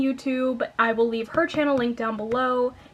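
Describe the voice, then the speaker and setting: The speaker has an American accent, with noticeable background noise in the recording. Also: woman. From US Midwest, Wisconsin. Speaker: YouTuber, adult coloring channel. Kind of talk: casual vlog chat.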